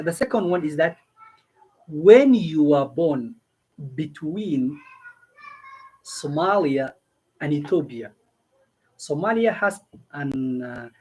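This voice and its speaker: A man's voice: sits high, darkish tone, husky, poor audio. A man from East Africa hosting a casual explainer video, repeating his points and checking in with listeners. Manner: repeats himself, asks listeners questions. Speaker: video host giving visa advice. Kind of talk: casual explainer talk to camera.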